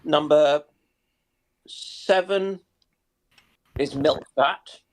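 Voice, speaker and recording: A man in a casual live chat, talking haltingly with pauses between short phrases. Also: fairly high pitch.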